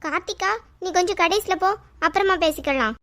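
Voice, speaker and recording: A woman's voice: extremely high pitch, brisk, bright, forceful tone. A woman voicing a firm, disapproving schoolteacher in a cartoon. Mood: stern. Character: schoolteacher, stern but tired of quarrels. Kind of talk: cartoon voice acting.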